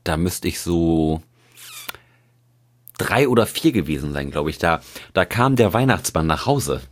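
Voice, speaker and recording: A man's voice: sits low, lively intonation, a little slow. A man chatting casually on a podcast, hesitant with many fillers and a wry humor. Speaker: podcast guest. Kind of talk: casual chat.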